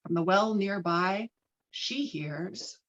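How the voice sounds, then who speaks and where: A woman reading screenplay stage directions with dramatic, expressive delivery over a video call. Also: lowish voice, takes it slowly, muffled recording. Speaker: stage directions reader at a table read.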